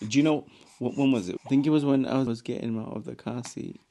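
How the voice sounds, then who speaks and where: Young dad co-host, mid-pitched, relaxed, stop-start chat. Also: male voice, gravelly. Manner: halting, restarts a lot, mellow. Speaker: father, co-host. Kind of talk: casual chat.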